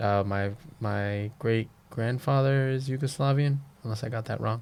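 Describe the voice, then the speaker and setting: On a very clean recording with a silent background, a man speaks at a moderate pace with a slight Peruvian accent. His pitch is medium and his intonation fairly even. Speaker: podcast host. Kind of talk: casual chat.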